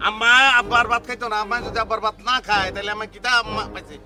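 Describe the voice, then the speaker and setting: Man as an impassioned young son, high, sharp, rapid delivery, folk-drama style. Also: flat delivery, over music, lightly acted. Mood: indignant. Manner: impassioned, pleading then threatening. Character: hot-headed loyal young son defending his mother.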